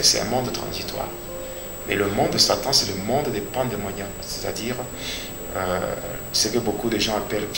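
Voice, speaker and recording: A man with a Congolese accent giving a personal religious testimony as a pastor, speaking deliberately and repeating phrases for emphasis. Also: fairly low pitch. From Democratic Republic of the Congo. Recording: echoey room with clear background noise.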